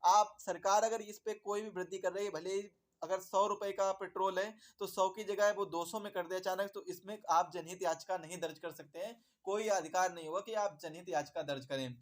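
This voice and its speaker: A man's voice: high-pitched, fairly even intonation, a little fast, few pauses. Man teaching exam prep, repetitive. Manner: repeats points, asks then answers own questions; calls viewers "my dear brother".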